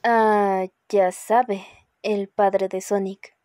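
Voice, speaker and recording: Woman as a soft, hesitant young cartoon cat. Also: mid-range voice, level tone, very slow, no room sound, clean studio sound. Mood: hesitant, concerned. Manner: hesitant, polite. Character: polite, tactful young female cartoon cat.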